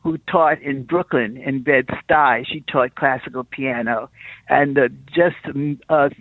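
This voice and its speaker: A man's voice: mid-range voice, steady tone, unhurried, dry recording. Man caller on a thin phone line. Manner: earnest, emphatic, repeats himself. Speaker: caller, singer. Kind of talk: call-in talk over phone. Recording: dry tinny phone line.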